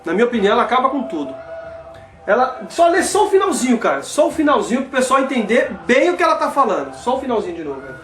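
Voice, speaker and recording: Brazilian male commentator, high-pitched, passionate and exclamatory; echoey room, faint music. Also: wildly swooping pitch, quick pace, fairly bright tone. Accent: Brazilian Portuguese. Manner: exclaims, asks rhetorical questions, addresses listeners as brother. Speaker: religious commentator. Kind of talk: impassioned religious commentary.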